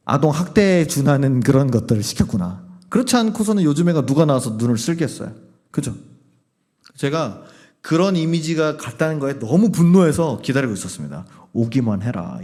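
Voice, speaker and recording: A man's voice: on the high side, a little mellow. A man preaching a revival sermon as a pastor, telling a story and acting out its dialogue in several voices.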